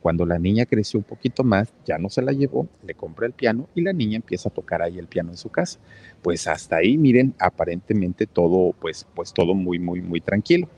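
Chatty husky-voiced Mexican storyteller. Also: male voice, deep voice, lively intonation, brisk, warm tone. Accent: Mexican Spanish. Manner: chatty, talks straight to the listeners, many fillers. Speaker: channel storyteller. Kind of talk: casual storytelling.

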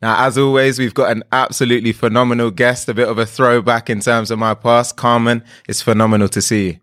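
A man's voice: medium pitch, flat delivery, a little fast, fairly bright tone, no echo. Upbeat man hosting a podcast, dry sound. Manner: enthusiastic, upbeat interviewer. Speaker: podcast host.

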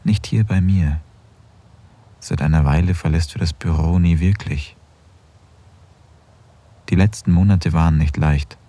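An actor playing an affectionate married man in an intimate audio drama, speaking softly and close to a whisper. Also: deep voice, a little slow, long pauses. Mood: tender. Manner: soft, intimate, often near a whisper. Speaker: husband in an erotic audio drama.

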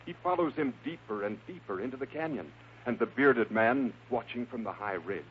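Animated and moderately paced, a mid-range male voice delivers suspenseful, theatrical narration for a 1950s radio adventure serial. The scripted performance comes through a noisy, tinny old radio recording.

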